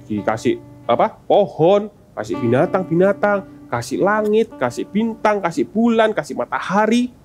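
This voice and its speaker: A children's ministry teacher giving a sermon, often asking the kids questions. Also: mid-range voice. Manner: animated, asks kids questions.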